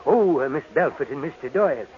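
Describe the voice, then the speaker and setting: A man's voice: fairly high pitch, expressive, brisk, close to an everyday voice. Man as obliging head waiter, old radio. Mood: eager to please. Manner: eager, deferential. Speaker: radio drama actor. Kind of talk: 1940s American radio drama acting. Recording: muffled old radio recording. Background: music.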